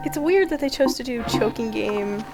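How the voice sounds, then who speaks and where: A woman's voice: on the high side, lively intonation, moderate pace. Wry woman chatting over game music. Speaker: co-commentator. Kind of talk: casual let's play chat. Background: video game music.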